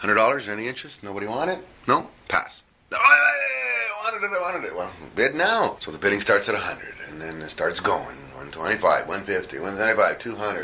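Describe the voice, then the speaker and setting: A man speaks at a very fast pace. Noticeable background noise sits behind him. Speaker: auctioneer. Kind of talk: interview answer about his work. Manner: conversational.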